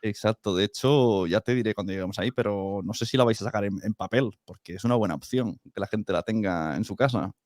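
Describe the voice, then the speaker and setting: A man's voice: lowish voice, fast, hardly any pauses, a little mellow, no echo. A man hosts a podcast in a loose, conversational way. His manner is informal and jokey. The sound is dry, with very little room in it. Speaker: podcast host. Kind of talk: casual conversational interview.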